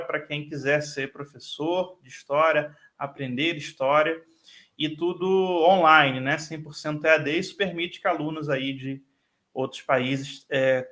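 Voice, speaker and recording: Speaking with a sharp tone and a pitch on the higher side, the man has a carioca accent from Rio, Brazil. As a guest professor in a live online interview, he explains fluently and frequently adds "né" to his sentences.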